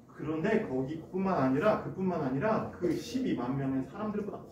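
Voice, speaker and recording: A man voicing God as a gentle, patient figure who speaks slowly and softly to a prophet. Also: fairly high pitch, lo-fi sound, natural voice. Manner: slow, soft and calm. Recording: echoey church hall from far off, background noise.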